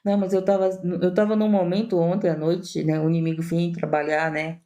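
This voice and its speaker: A woman's voice: lowish voice, little pitch movement, a little fast, mellow. A woman missionary with a Brazilian Portuguese accent, preaching a fervent sermon full of repetition and direct appeals to her listeners.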